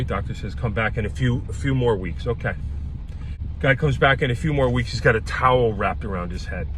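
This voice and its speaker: A man comedian telling old doctor jokes in a casual, halting way, with many restarts. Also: lowish voice, noisy background. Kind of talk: joke telling. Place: car.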